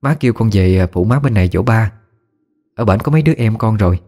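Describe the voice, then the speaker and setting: A man's voice: lowish voice, lively intonation, fast talker, warm tone, faint music behind. A man with a Southern Vietnamese accent voicing a respectful daughter-in-law who explains politely to her mother-in-law.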